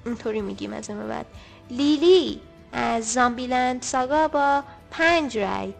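A woman co-hosting a podcast, reading out poll results in casual chat, brisk and a little teasing. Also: a little high, vocal fry, faint music behind. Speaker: podcast co-host.

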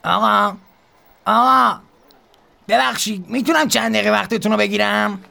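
A man voicing a young man who pleads for a favour in a fawning, rushed way. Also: high-pitched, fairly even intonation, vocal fry, sharp tone, pitched above the performer's own voice, full character voice. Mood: pleading.

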